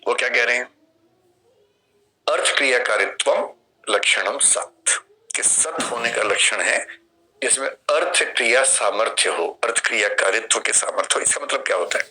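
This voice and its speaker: A man's voice: medium pitch, lively intonation, normal speed, bright, forceful tone, a little hiss or hum, rough recording. A man in his fifties with an Indian accent, giving a classroom lecture and explaining through questions and vivid examples. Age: 50s. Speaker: philosophy teacher.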